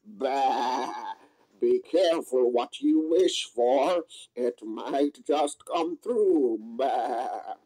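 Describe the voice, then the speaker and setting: A puppeteer voicing a cautious old lamb with bleats and drawn-out, scolding words in an amateur puppet show. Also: medium pitch, warm tone. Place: small indoor room, behind puppet curtain.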